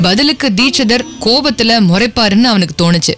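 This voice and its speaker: A woman's voice: fairly high pitch, expressive, fairly quick, fairly bright tone, faint music behind. A woman narrating a radio drama as a storyteller, in colloquial scripted language.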